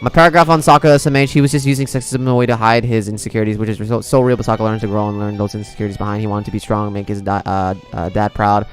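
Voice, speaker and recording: A man's voice: fairly low pitch, little pitch movement, rapid-fire, hardly any pauses. A man livestreaming a video game in casual, slangy, chummy chat with his viewers. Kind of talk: casual gameplay stream chat. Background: game music.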